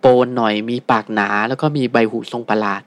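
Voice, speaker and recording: A man telling a story casually as a guest, relaxed, with many fillers. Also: mid-range voice, brisk, no echo.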